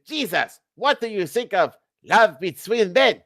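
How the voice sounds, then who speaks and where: A man's voice: high voice, expressive, a little slow, a bit bright, no room sound, voice pushed up. A lovestruck dictator acted out by a man pleads in a raised, strained voice, earnest and melodramatic in a comic storybook reading. The recording is dry. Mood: bold.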